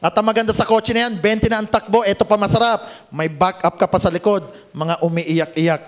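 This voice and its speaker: A high-pitched man from the Philippines pitching a business plan to a seminar crowd. He jokes and teases the audience, often checking that they follow. His lively voice carries across a meeting room. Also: a little fast. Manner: joking, teasing the audience, asks "Tama?" often. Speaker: networking seminar presenter.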